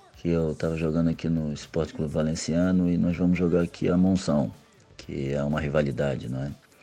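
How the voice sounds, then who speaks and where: A man with a very deep, low voice speaks fairly quickly with fairly even intonation. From Brazil, Rio de Janeiro (Paquetá island). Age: 40s. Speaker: amateur footballer. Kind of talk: interview.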